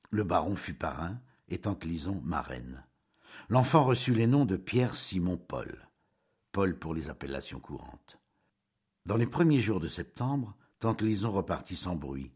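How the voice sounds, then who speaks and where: Man, audiobook narrator, very deep voice, husky, lively intonation, dramatic reading. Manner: expressive, dramatic storytelling.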